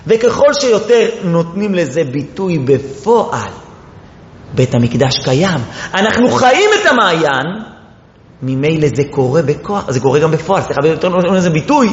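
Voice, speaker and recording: A man giving an impassioned Torah lecture, moving from quiet explanation to rising, pleading exclamations and often restarting his sentences. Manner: apologizes for being disorganized, restarts often. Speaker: Torah teacher. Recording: echoey hall, dull lo-fi sound with faint rumble.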